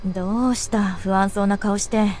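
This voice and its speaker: An actress voicing a blunt, tomboyish teenage girl soldier in a game, speaking in a terse, gruff way. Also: fairly even intonation, moderate pace, darkish tone, lightly acted. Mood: earnest. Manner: gruff, terse, low-key. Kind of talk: game voice acting. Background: game music.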